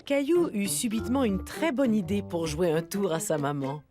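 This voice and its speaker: A woman narrating a children's cartoon as a gentle, expressive storyteller, reading scripted lines. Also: medium pitch, normal speed, natural voice. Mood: gentle storytelling. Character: gentle female storyteller of a preschool tale. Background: music.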